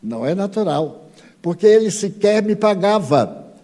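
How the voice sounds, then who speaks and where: A man's voice: high-pitched, sing-song, unhurried, warm tone, pitched above the performer's own voice. The bitter, accusing spirit of a young man, as a man puts him on. He speaks in a lifted, complaining voice that carries a long hall reverb.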